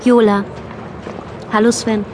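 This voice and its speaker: A woman's voice: fairly high pitch, flat delivery, takes it slowly, noisy background. An actress playing a blunt, contrary young woman in an audiobook drama, in dialogue and diary monologue. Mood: blunt, dismissive. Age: young adult. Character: Jola, blunt, contrary woman of about thirty.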